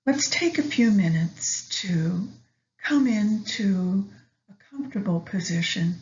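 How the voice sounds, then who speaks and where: A woman guides a meditation at a very slow pace, leaving long pauses between her soft phrases. Her delivery is soothing, and the recording is a little dull and lo-fi. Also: medium pitch.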